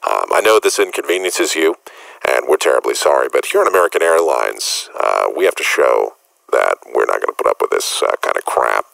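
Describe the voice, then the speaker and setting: A man putting on a gravelly pilot cockpit announcement voice. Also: rumbling low, lively intonation, a bit bright, no room sound, pitched below the performer's own voice, full character voice. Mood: irritated. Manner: drawling, annoyed announcement with halting uhs. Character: gruff male airline captain on cabin intercom. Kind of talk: mock captain's cabin announcement on a podcast.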